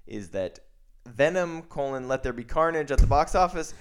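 A man's voice: mid-range voice, lively intonation, normal speed, smooth. A man in his thirties co-hosting a podcast, running through film news and bickering playfully with his partner. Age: 30s. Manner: newsy, gets into playful bickering. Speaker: podcast co-host. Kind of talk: casual banter.

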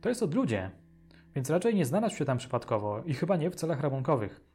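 A man's voice: on the high side, very animated, fast, a little mellow, slightly rough, faint music behind, pitched above the performer's own voice, exaggerated voice. A man voicing a tired, reflective middle-aged police commissioner in an audiobook. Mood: thoughtful. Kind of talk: audiobook character voice.

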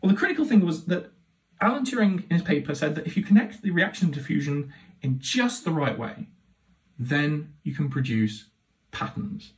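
A man's voice: a little high, expressive, moderate pace, far from the mic, rough recording. A man speaking as a university lecturer, explaining in an enthusiastic, emphatic and conversational way. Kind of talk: explanatory academic talk.

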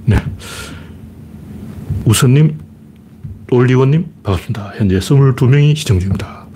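A man's voice: medium pitch, lively intonation, normal speed, dark tone, a little hiss or hum. A man hosting a live stream, giving blunt, rambling political commentary and greeting viewers by name. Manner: blunt, rambling, mimics people in raised voices. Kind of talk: casual political commentary livestream.

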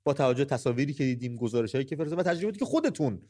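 A man's voice: mid-range voice, animated, mellow. A man hosting a live call-in podcast, talking earnestly and asking pointed rhetorical questions. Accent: Persian. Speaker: podcast host.

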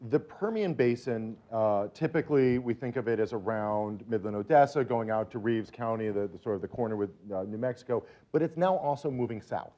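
A man moderating a panel, asking conversational, somewhat halting questions. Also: mid-range voice, dark tone, highs cut off.

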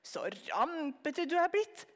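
A woman's voice: sits high, very animated, voice pushed up. Woman doing a fussy old aunt. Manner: tut-tutting, fussy. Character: fussy elderly aunt, flustered and prim.

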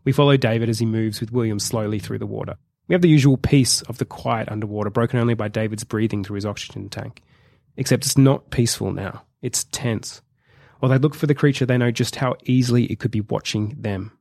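A male podcast host narrating a comedic film pitch in a vivid, measured storytelling way. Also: creaky, darkish tone, no room sound. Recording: dry close sound.

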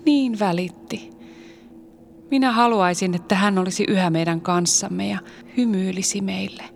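A woman playing a grieving follower with a gravelly voice. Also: medium pitch, slight background noise, natural voice. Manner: anguished, often whispering. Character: grieving female follower of Jesus, fearful.

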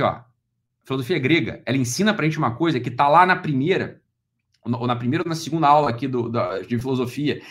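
A Brazilian man speaks rapidly, piling one phrase on the next. He repeats himself to press his point, in a voice that sits a little higher than most men's, like a lecturer in full flow. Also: fairly bright tone. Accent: Brazilian Portuguese. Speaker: philosophy lecturer. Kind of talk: heated monologue to camera.

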